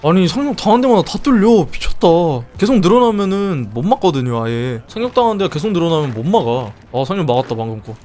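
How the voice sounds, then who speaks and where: Lively young man commenting on a game. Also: high-pitched, quick pace, hardly any pauses, a little hiss or hum. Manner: lively, swearing, exclaiming at the game. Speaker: streamer.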